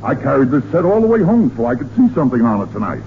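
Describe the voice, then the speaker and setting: A man's voice: mid-range voice, big pitch swings, racing. An American actor playing a flustered, easily exasperated middle-aged father in 1940s radio comedy, sputtering and repeating himself. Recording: muffled, noisy 1940s radio recording.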